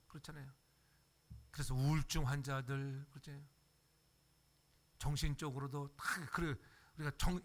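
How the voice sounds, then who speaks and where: A man's voice: fairly high pitch, a bit bright. An older man preaching a sermon as pastor, acting out everyday voices and checking in with the congregation. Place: church sanctuary.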